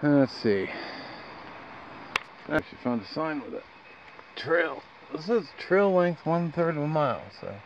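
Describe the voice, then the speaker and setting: A man with a creaky voice chatting casually and off the cuff as he vlogs outdoors on a trail, with dry asides. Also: on the high side, measured pace, pauses often. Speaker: hiking vlogger. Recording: dull lo-fi outdoor sound, steady noise.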